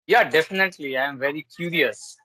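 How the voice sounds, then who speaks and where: Practicing his English over a casual video call, this Urdu-speaking man with an Indian English accent chats hesitantly, full of fillers and restarts. He talks a little fast in a slightly high, sharp voice. The recording has no echo.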